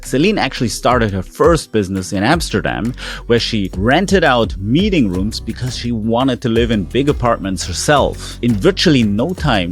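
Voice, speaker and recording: A middle-aged man from Germany hosting a podcast, his voice low for a man. He speaks with eager enthusiasm and stumbles over repeated words as he starts. Faint music plays softly under him. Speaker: podcast host. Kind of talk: podcast interview.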